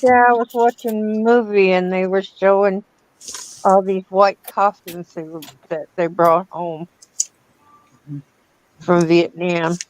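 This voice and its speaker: A woman's voice: medium pitch, fairly even intonation, slow, long pauses, slight background noise. A woman with a Texas twang hosting a casual live-stream chat and greeting viewers by name. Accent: Texan. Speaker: host.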